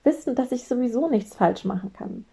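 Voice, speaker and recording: Mellow-voiced woman in her late 20s, business mentor talking things through, expressive, jumps up high when she acts out her inner voice. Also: brisk, creaky. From Germany. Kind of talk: reflective solo talk.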